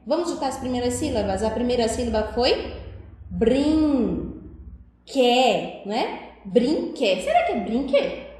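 A woman's voice: a little high, big pitch swings, slow, darkish tone. A Brazilian woman teaching young children in a video lesson, coaxing and sing-song, full of questions. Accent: Brazilian Portuguese. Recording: very echoey room, faint noise.

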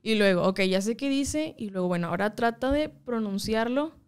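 A young Mexican woman, a singer appearing as a guest, chats casually in an interview and tells animated stories full of slang and frequent laughter. Her voice is on the high side, clear and resonant, at a normal speed.

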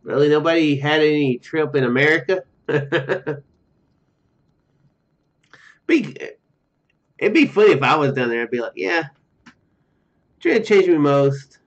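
His voice sits on the high side with lively intonation, and he keeps a measured pace, pausing often. The young man is a video game streamer giving casual let's play commentary, reading the on-screen text and rambling into jokes. Game music plays behind a dull lo-fi home mic in his small indoor room.

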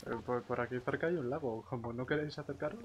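A man's voice: mid-range voice, fast talker, lo-fi sound, slight background noise. A man chatting casually in character during an online zombie survival roleplay game.

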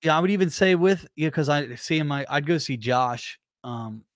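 A man's voice: a little high, normal speed, dry recording. Nasal man chatting animatedly. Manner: animated, acts out quoted thoughts. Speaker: guest musician. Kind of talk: casual interview chat. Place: home music room.

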